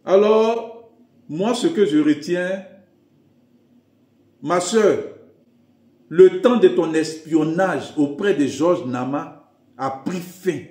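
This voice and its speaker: A man's voice: on the high side, takes it slowly, pauses often, mellow. A man preaching as a self-styled prophet, declamatory, with emphatic repetition. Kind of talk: preaching address. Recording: echoey room.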